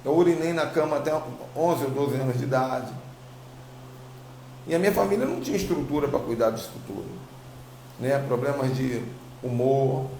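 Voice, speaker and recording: A man's voice: mid-range voice, moderate pace, creaky, long pauses, dark tone. A Brazilian man with a slight tongue-tie giving an informal spiritual testimony to online followers as a preacher, telling it emphatically and repeating phrases. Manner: informal, emphatic storytelling with repetition. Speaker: apostle, religious teacher. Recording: roomy echo, faint background noise.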